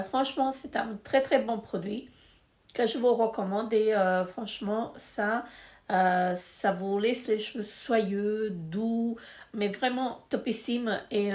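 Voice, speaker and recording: A woman's voice: medium pitch, a little mellow. A woman with a stuffy, congested nose, reviewing beauty products in a casual, hesitant way full of fillers. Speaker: beauty vlogger. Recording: echoey room.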